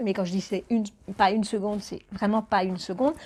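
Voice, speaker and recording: A dark, mellow voice races along at a very fast pace with fairly even intonation on a very clean recording with a silent background. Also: woman. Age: 60s. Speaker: vlogger. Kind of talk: casual vlog chat.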